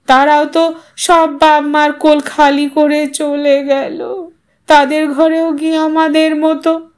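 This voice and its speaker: A woman voicing a grieving old village woman who speaks in a slow, drawn-out, plaintive way. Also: high voice, flat delivery, a little mellow, voice pushed up. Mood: sorrowful.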